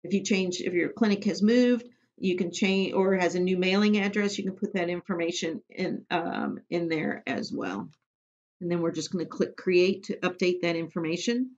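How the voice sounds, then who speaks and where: Woman trainer for a software walkthrough, plain instructional delivery with fillers, muffled computer-mic sound. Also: lowish voice, normal speed. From Missouri. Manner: plain step-by-step instructions with frequent ums. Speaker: immunization program trainer. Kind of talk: screen-recorded software tutorial. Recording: dull lo-fi audio.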